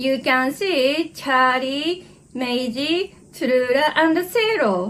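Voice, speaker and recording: A woman's high-pitched, lively voice at a very slow pace, with noticeable background noise. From Japan, Kobe. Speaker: embroidery artist. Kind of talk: show-and-tell monologue.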